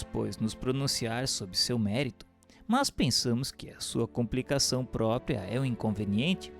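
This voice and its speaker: A man giving a measured, solemn scripted reading of a religious book as narrator. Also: on the high side.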